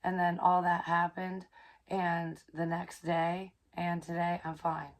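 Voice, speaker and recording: A hoarse young woman, chatting casually in a rambling psychic vlog, swearing freely and filling pauses with ums. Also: on the low side, completely flat delivery. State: hoarse, recovering from illness. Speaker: psychic medium vlogger.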